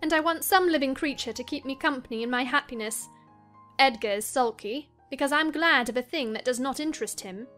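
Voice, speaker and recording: This is a woman acting a willful, excitable young gentlewoman in a dramatized storybook reading. The voice is high and the delivery emphatic and self-assured. Soft music plays underneath. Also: brisk. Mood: restless, complaining. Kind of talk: dramatized audiobook reading of a classic novel.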